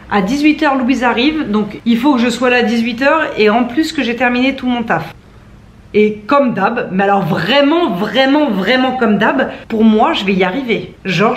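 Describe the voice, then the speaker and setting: Playful young French-speaking woman vlogging. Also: on the high side. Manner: chatty, playful, self-mocking. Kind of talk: casual vlog chat to camera. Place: at home indoors.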